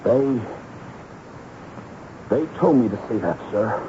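Cringing young soldier-spy, radio drama: stammering, widely varied pitch, hesitant. Dull, hissy vintage broadcast. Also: male voice, expressive, slow, mellow. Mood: subdued, confessing. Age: young adult. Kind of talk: 1970s radio drama acting.

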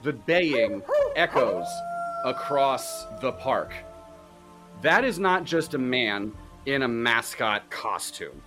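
A man runs a sci-fi tabletop game as game master, speaking slowly and unhurriedly. He describes each scene vividly in the second person, with faint music behind him. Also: mid-range voice, bright, forceful tone. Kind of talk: tabletop role-play narration.

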